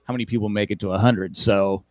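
Fast-talking and fairly low-pitched, this podcast co-host in his fifties keeps a steady, slightly mellow tone. He rambles through a casual chat, self-corrects often, and gets wry about aging, with no room sound in the recording.

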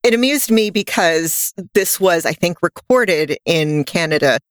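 A woman co-hosting a podcast in casual chat, chatty and full of quick asides. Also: lowish voice, expressive, no echo. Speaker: podcast co-host.

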